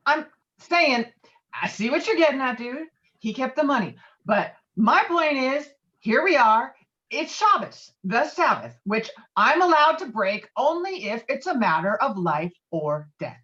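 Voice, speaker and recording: A woman's voice: high-pitched, sing-song, a little slow, bright, forceful tone, lo-fi sound, exaggerated voice. A woman acting a stubborn, hot-tempered male war veteran in a table read, profane and combative. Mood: insistent. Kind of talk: virtual table read of a film script. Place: remote video call.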